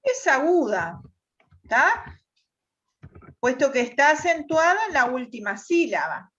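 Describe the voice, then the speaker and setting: Slow-speaking woman teacher. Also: sits high, sing-song, fairly bright tone, dull audio. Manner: checks understanding with frequent "¿tá?". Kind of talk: classroom lesson on Spanish accent rules.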